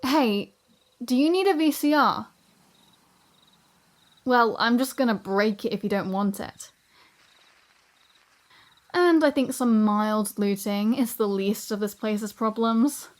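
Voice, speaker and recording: A woman's voice: fairly high pitch, slow, long pauses. Sardonic flirty vampire woman, acted by a woman. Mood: wry, breezy. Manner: sarcastic, foul-mouthed, breezy banter. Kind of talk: scripted ASMR roleplay audio drama.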